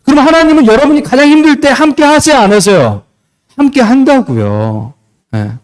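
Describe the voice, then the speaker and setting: Young male youth pastor, high and lively, preaching to teens with questions and acted scenes. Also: normal speed. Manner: asks the students questions and acts out short scenes. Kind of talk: youth sermon.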